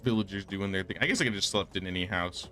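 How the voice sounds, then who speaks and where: A man's voice: deep voice, very fast, bright, forceful tone. A man giving casual, laid-back, slangy commentary while livestreaming a game. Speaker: game streamer. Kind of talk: casual livestream gaming commentary, reading quest dialogue aloud.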